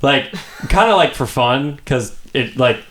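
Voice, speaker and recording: A man's voice: mid-range voice, lively intonation, a little slow, a bit bright, slight background noise. A man hosting a podcast in an informal, rambling chat. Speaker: podcast host. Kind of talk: casual chat. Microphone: podcast microphone.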